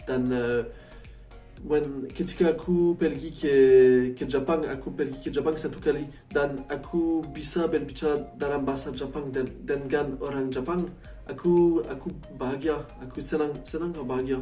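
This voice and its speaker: A man from France with a French accent chatting casually as a vlogger, a foreigner speaking halting learner's Indonesian and often slipping into English. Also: fairly high pitch, fairly even intonation, warm tone. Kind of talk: casual chat to camera. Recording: echoey room, distant mic, faint music.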